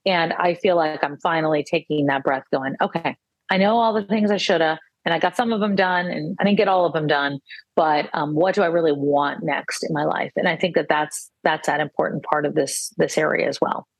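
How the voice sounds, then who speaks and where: A woman's voice: low-pitched, a little fast, breathy edge, dry recording, lo-fi sound. A woman in her fifties, a guest talking about herself in a reflective, earnest way, restarting her sentences often. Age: 50s. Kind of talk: casual conversation.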